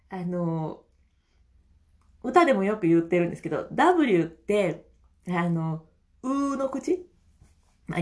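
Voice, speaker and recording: A woman with a Kansai accent hosting a casual solo audio chat, laughing often between phrases and reacting aloud to listener comments. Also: mid-range voice. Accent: Kansai Japanese. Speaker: podcast host.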